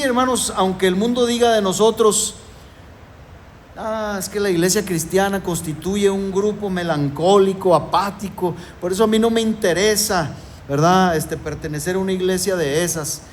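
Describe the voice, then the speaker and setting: High-voiced man preaching an emphatic sermon. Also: a little hiss or hum. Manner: emphatic preaching, repeatedly addressing the congregation as brothers. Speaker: pastor.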